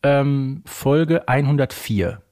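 Male podcast co-host, average-pitched voice, informal quiz-duel conversation. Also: takes it slowly, darkish tone. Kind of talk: casual chat, fan quiz banter.

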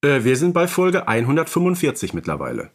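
A man's voice: mid-range voice, huge pitch swings, a little fast. A man of forty speaking conversationally as the host of a podcast.

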